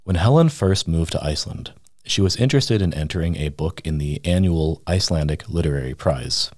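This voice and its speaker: A man narrating a scripted news feature as a reporter, measured and steady. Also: extremely low pitch, dry recording, studio quality. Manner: measured, reads quotes aloud in the same voice. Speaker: radio reporter.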